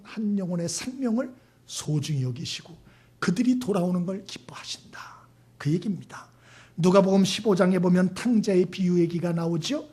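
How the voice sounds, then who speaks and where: A man's voice: sits high, darkish tone, slightly rough. A male pastor preaching a sermon, asking his congregation questions and acting out the voices in his stories. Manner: asks the congregation questions, acts out quoted voices.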